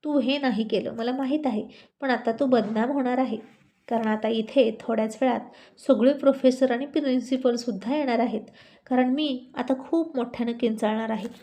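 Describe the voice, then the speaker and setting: A woman's voice: fairly high pitch, fairly even intonation, moderate pace, warm tone, lightly acted. A woman voicing a manipulative young college woman in a spoken story. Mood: scheming.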